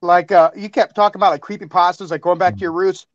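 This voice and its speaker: A man co-hosting a podcast in casual chat, excitable and repeating himself. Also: sits high, fast talker, no room sound, dull audio. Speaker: podcast co-host.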